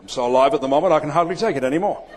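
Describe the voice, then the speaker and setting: A slightly high-voiced man with a Manchester accent addresses a room as a comic keynote speaker. His humour is dry and self-deprecating, and he sets up each joke plainly. A faint noise sits under the recording. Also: racing, some chatter behind. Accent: Manchester English. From England. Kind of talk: comic keynote speech to a live audience. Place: event venue before a live audience.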